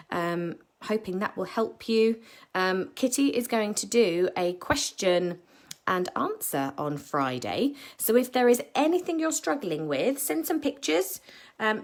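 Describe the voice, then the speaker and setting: British lady a bit croaky, chatty beading class, lots of ums. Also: fairly high pitch. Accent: British English. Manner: chatty, with many ums and self-corrections. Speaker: beading tutor. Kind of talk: live craft tutorial.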